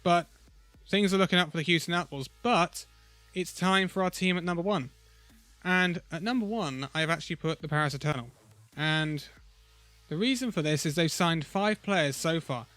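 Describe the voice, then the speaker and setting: A man who is a little ill and losing his voice gives an opinionated, conversational esports roundup with pauses. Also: a little high, fairly bright tone, no room sound, soft background music. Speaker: esports video host. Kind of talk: casual esports commentary vlog.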